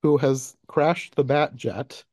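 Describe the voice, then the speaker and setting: Male podcast host, mellow tone, dry close sound, chatty recap with frequent laughs. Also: medium pitch, steady tone, slow, dry recording. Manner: laughs often while recapping. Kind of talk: casual film review chat.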